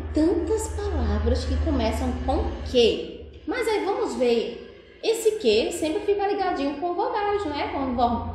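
A woman's voice: fairly high pitch, a little mellow. A Brazilian woman teaching young children in a video lesson, coaxing and sing-song, full of questions. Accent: Brazilian Portuguese. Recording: very echoey room, faint noise.

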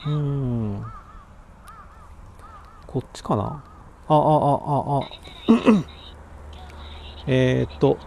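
A man with a dark, mellow voice talks casually to livestream viewers, half to himself while fixing his audio setup. He speaks into a voice recorder mic outdoors. Faint outdoor noise sits under his voice. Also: mid-range voice, extremely slow, creaky, long pauses. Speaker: cycling livestreamer.

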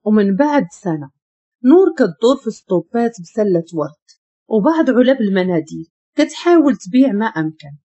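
A woman with a Moroccan accent narrating a scripted story in a calm, steady way. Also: mid-range voice, brisk, slightly rough, lo-fi sound.

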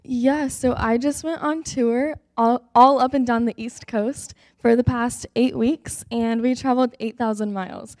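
A woman's voice: on the high side, fairly even intonation, measured pace, hardly any pauses, darkish tone, no room sound, studio quality. A young woman giving an upbeat, earnest testimony on a church stage, with many ums, speaking into a handheld mic. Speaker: guest speaker.

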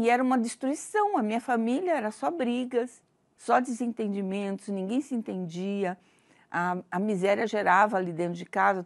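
A woman's voice: medium pitch, creaky. A middle-aged woman with a Brazilian accent giving an earnest, emotional personal religious testimony. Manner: earnest, confessional, emotional storytelling. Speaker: church member giving testimony.

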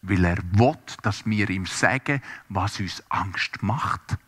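A man's voice: on the low side, takes it slowly, fairly bright tone, slightly rough. A man preaching a sermon, speaking earnestly and directly to his listeners. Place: church service, also streamed to homes.

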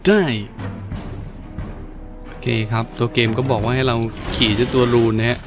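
Male let's play host: mid-pitched, casual and joking, muttering to himself, game music clearly behind. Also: flat delivery, moderate pace. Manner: joking, exclaiming, talks to himself. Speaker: gaming video host. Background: game music and effects.

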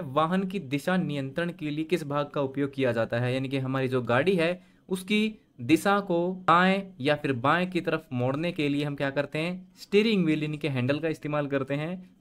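A man's voice: a little high, smooth. A man hosting a screen-share lesson, reading each multiple-choice question aloud and then explaining the answer step by step. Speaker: channel host and tutor. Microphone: voice-over on screen recording.

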